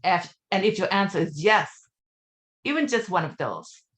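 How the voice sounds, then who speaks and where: A woman's voice: lowish voice, expressive, moderate pace, a bit bright. A woman hosts a casual interview in an upbeat, playful way. She strings several questions together before handing over to her guest. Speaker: host.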